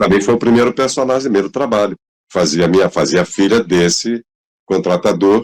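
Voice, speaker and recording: A man's fairly low, plain, everyday voice at a moderate pace, with lively intonation and a dry, close sound with no echo. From Rio de Janeiro. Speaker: actor. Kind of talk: interview.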